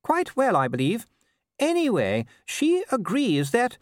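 A man's voice: very high voice, huge pitch swings, measured pace, no echo, clean studio sound, voice pushed up, full character voice. A man voicing a genteel, chatty upper-class wife with a fond, reassuring manner in an audiobook. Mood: hesitant. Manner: chatty, gushing, upper-class turns of phrase. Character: genteel aristocratic middle-aged wife, breezy, fondly reassuring. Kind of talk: audiobook character voice.

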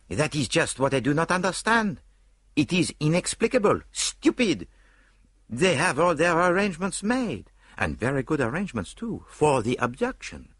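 A man voicing a fussy, excitable Belgian detective in an audiobook, talking in theatrical bursts. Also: slightly rough, no echo, full character voice. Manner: theatrical, rising pitch, quick bursts. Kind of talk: audiobook character voice.

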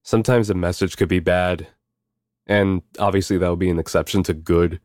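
A young man from New York with a deep voice, answering interview questions casually, rambling with fillers. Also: fairly even intonation, brisk, darkish tone, no echo, clean studio sound. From New York, USA. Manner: easygoing, rambling, frequent fillers and swearing. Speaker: voice actor interviewee.

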